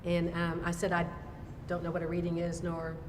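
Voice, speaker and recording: A woman's voice: lowish voice, completely flat delivery, moderate pace, big-room sound, background noise. A woman with a Charleston, South Carolina accent, telling a story casually in an interview. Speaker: amateur performer in a dramatic reading.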